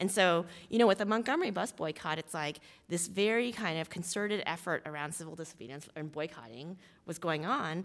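With an American accent, a woman talks at a fairly quick pace in an unremarkable speaking voice, fairly low in pitch, with big swings in loudness. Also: lively intonation. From US South (Houston, Texas). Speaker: professor and author. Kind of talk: public onstage conversation. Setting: stage with audience.

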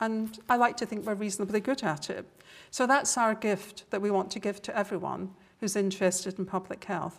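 Speaking with a Scottish accent, a woman uses a medium pitch and fairly even intonation at a fairly quick pace on a very clean recording with a silent background. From Scotland. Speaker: public health professor giving lecture. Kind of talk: public lecture. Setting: live lecture with audience.

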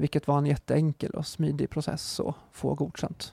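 A rather slow-talking man, heard in a dry, close sound without echo. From Sweden, Örebro. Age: 40s. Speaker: engineer. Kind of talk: interview conversation.

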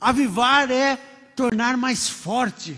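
A man's extremely high-pitched voice, bright and sharp in tone, with ordinary pitch variation. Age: old. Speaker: pastor. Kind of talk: sermon. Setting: church.

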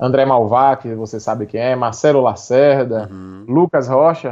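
An ordinary speaking voice from a man at a medium pitch, with ordinary pitch variation, a fairly slow pace and a quiet background. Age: 40s. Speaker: course student. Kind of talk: casual interview.

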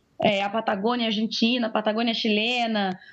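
A woman's high-pitched voice. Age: 30s. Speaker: personal trainer and cycle traveller. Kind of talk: interview.

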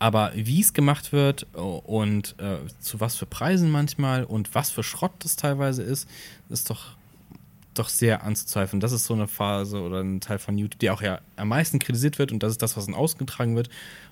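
Medium speed, captured on a very clean recording against total silence. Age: 20s. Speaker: YouTube channel member. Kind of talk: casual chat.

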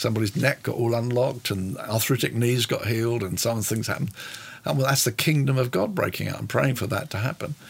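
Somewhat breathy and at a medium pitch, a man talks at a very fast pace with ordinary pitch variation. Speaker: pastor. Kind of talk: casual chat.

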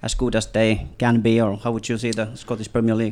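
A man's dark, mellow voice at medium pitch, at a fairly quick pace. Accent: Finnish. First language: Finnish. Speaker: podcast host. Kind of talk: interview. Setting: video call.

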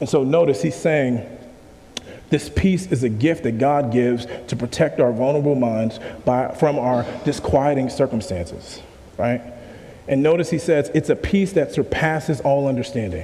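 A man's fairly high voice with lively intonation amid noticeable background noise. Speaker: pastor. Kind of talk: sermon. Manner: articulate.

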